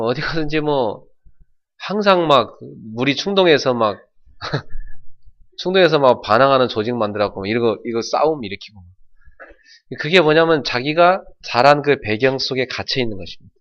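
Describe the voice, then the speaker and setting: A middle-aged man from North Jeolla preaching a sermon as pastor, telling folksy stories and shouting out imitations. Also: mid-range voice, expressive, normal speed, long pauses, lo-fi sound. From North Jeolla, South Korea.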